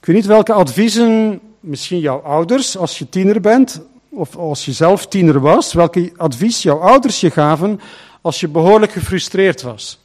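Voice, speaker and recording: Man, high-pitched, preaching, emphatic, rhetorical questions. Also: expressive, normal speed. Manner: emphatic, rhetorical questions, swings between loud and hushed. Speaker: pastor. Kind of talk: sermon.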